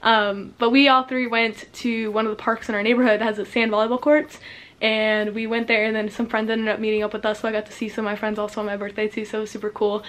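A sixteen-year-old girl chatting casually and bubbly in a vlog, talking so fast she runs out of breath and saying "like" a lot. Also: fairly high pitch, little pitch movement, a bit bright. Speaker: vlogger. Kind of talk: casual chat.

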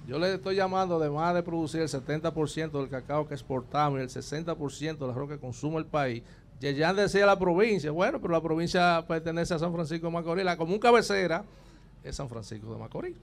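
A man's voice: on the high side, fast. A Dominican man in his sixties, a guest on an outdoor morning TV panel, talking proudly and emphatically into a handheld mic. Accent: Dominican Spanish. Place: outdoor street set with murals.

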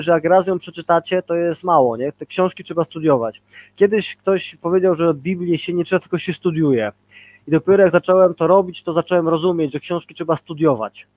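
A man in his forties speaks over a video call in a loose, rambling way, leaning on fillers and tag questions. His voice sits a little high, and the sound is very dry. It has a casual conversational feel. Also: a little fast, darkish tone, dry recording. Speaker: guest, leadership trainer.

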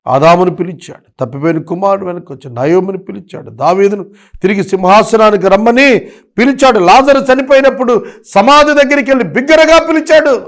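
A man preaching a sermon in a pleading, rhythmic style, repeating phrases and dropping into slow, emphatic English lines with a Telugu accent. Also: high-pitched. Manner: pleading, rising and falling emphasis.

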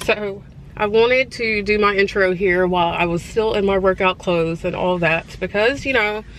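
Bright, chatty woman vlogging. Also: medium pitch, normal speed, a little hiss or hum, rough recording. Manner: chatty, upbeat, rambling asides. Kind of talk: casual chat to camera. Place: parked car, then a bedroom.

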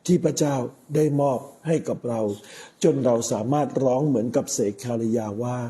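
A man of middle age gives a Christmas-season sermon as a Catholic priest. His voice is deeply mellow and dark, at an ordinary pitch. He speaks in measured phrases, pausing often. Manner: measured, with frequent pauses.

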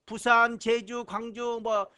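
A man with a very high-pitched voice gives an exam-prep lecture. He talks through the material in a teacherly way, repeating key terms and breaking it up with playful puns and asides. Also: level tone, slow pace, pushed and bright, clean tone. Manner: jokey asides and puns between explanations; repeats key terms, often starting lines with "자". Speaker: computer certification instructor.

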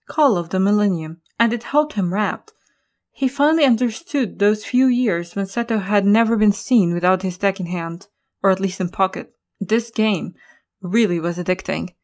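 A woman's voice: mid-range voice, darkish tone. A woman reading scripted story narration as the narrator of an audio drama. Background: music.

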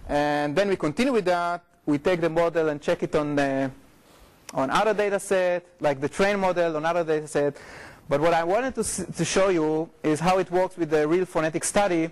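High-pitched Israeli man giving a lecture. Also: poor audio. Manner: informal, halting, frequent repetitions and self-corrections. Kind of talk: academic talk with slides. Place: lecture room, indoors.

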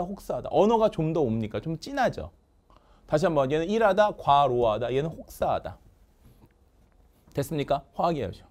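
A man teaching English vocabulary in a lively lecture, drilling words call-and-response and joking with his producer. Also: a little high. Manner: call-and-response drilling, asks "됐습니까?" often; jokes with the producer off camera.

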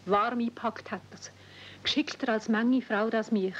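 Actress as plain-speaking village daughter, Swiss German, fairly high voice, muffled vintage radio drama. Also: female voice, steady tone, moderate pace, lightly acted. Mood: impressed. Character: matter-of-fact village woman, grown daughter. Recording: dull 1970s radio-play recording.

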